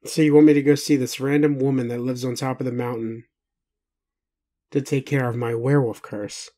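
A man playing a bewildered, doubting but gentle partner in an intimate roleplay audio, speaking haltingly with pauses. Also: medium pitch, steady tone, natural voice. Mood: incredulous. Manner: halting, hesitant, full of pauses and sighs.

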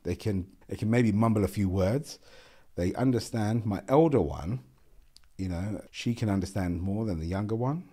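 A man's voice: lowish voice, normal speed. A man in his forties with a South London accent, a podcast guest talking earnestly in a casual interview, often repeating his words. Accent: South London English. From South London, England. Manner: earnest, repeats words, animated with hand gestures. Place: small bright studio room with a window. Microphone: boom-arm podcast microphone.

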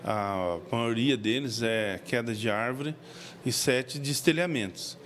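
A middle-aged man with a Brazilian accent, a civil defense official, explaining into reporters' mics in a halting way with many fillers. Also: mid-range voice, fairly bright tone. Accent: Brazilian Portuguese. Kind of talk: press interview. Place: indoors before a press backdrop. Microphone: several handheld reporter mics.

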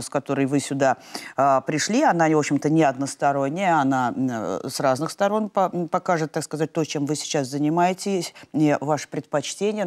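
A woman's voice: low voice, darkish tone. Hesitant woman hosting a TV interview. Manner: halting, with many fillers. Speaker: TV host. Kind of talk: interviewing a guest. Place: TV studio.

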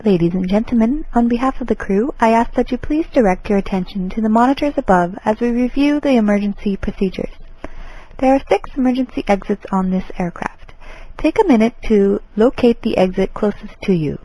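A woman playing a composed, polite flight attendant reading a formal, measured airline safety announcement. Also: fairly high pitch, dark tone, breathy edge, low-quality recording. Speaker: flight attendant in a listening lesson.

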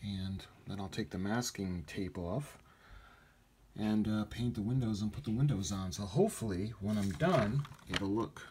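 A man giving a casual hands-on hobby tutorial, thinking aloud in a halting way as he works at home. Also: lowish voice, a little mellow. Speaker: hobby model builder, video host. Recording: noisy handheld home video sound.

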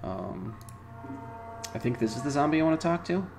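A man's voice: fairly high pitch, animated, moderate pace, creaky, a little mellow, faint music behind. A man in his thirties casually commenting on the game he is playing, thinking aloud with lots of fillers at home. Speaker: let's play host. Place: home room.

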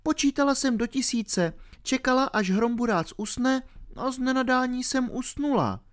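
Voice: high voice, pitched above the performer's own voice, close to an everyday voice. A reader voicing a ten-year-old girl, bold and determined, speaking eagerly and insistently in a storybook reading.

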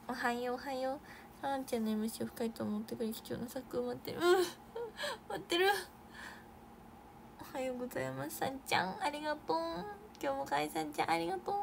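This young Japanese idol woman reads viewer comments during a casual live stream, swinging between excited bursts and quiet asides. She has a high voice with vocal fry, and there's slight background noise.

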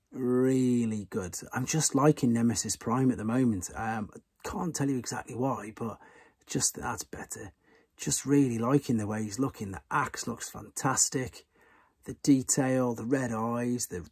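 A man's voice: mid-range voice, steady tone, measured pace, darkish tone, breathy edge. A man in his thirties hosting a casual toy news vlog, chatty and enthusiastic, often repeating himself, recorded close up in a room full of toys. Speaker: toy channel host. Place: room with toy shelves behind.

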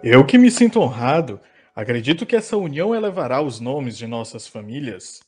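Man as proud Brazilian suitor king, audio drama. Husky, formal, very lively intonation. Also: mid-range voice, fairly quick, faint music behind. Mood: honored, eager. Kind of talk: comedic audio drama acting.

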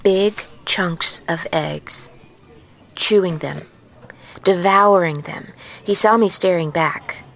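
A woman playing a wary, haunted truck driver in an intimate, confiding, halting audio-drama monologue. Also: fairly low pitch, creaky, a bit bright, exaggerated voice. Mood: uneasy, haunted. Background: music.

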